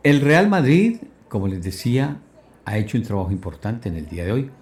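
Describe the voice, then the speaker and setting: A man's voice: mid-range voice, very animated, brisk, darkish tone. A man presenting and analysing sport as a radio host, in formal, wordy phrases. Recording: roomy sound with faint music.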